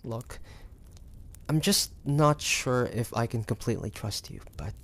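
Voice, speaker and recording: A man playing a wary, stubborn young demon hunter in an intimate audio roleplay, speaking in a hesitant, grudging, halting way. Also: mid-range voice, a bit bright. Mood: distrustful, warning. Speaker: voice actor. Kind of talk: intimate audio roleplay acting, addressing the listener.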